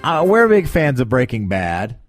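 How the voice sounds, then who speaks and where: A man hosting a podcast in casual, joking banter, talking in a meandering, halting way on a close mic. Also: medium pitch, big pitch swings, dry recording, soft background music. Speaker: podcast host.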